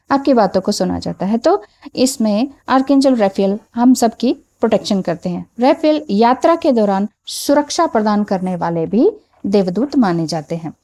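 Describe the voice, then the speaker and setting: A woman's voice: medium pitch, warm tone. A woman giving a spiritual teaching talk, explaining step by step, mixing in phrases and answering her own questions. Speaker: tarot reader and spiritual teacher.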